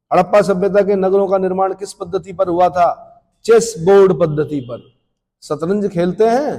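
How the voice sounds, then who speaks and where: Brisk quizzing coaching teacher, man. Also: high-pitched, gravelly, warm tone, in a large hall. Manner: drills students with questions and answers; brisk, scolding, self-answering. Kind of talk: rapid-fire exam coaching lecture.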